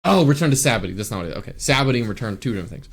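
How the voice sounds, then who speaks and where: A man's voice: mid-range voice, expressive, very fast, vocal fry. A man talking about a show he loves, gushing and rambling with lots of fillers, restarts and trailing thoughts. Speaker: YouTuber ranking anime arcs. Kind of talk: casual excited commentary.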